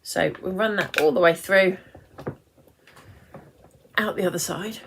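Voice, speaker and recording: With a fairly low pitch and a somewhat slow pace, a British craft tutorial host in her late forties, almost fifty, runs a live demonstration against some background noise. She chats and rambles, pausing the craft to talk to viewers.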